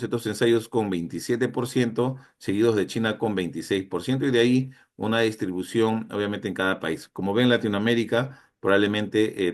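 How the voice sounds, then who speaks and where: A man with a fairly low voice gives a conference lecture. He talks in a hesitant way, with frequent fillers and restarted phrases.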